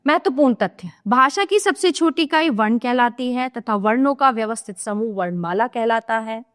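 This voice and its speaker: A woman's voice: a little high, expressive, normal speed, fairly bright tone. A woman teaching a grammar lesson, spelling out examples one by one and checking in with the listener as she explains.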